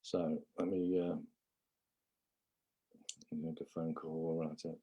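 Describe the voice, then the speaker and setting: A man's voice: extremely low pitch, flat delivery, takes it slowly, lo-fi sound. A man from England giving a rambling, impassioned livestream monologue, often calling viewers "guys".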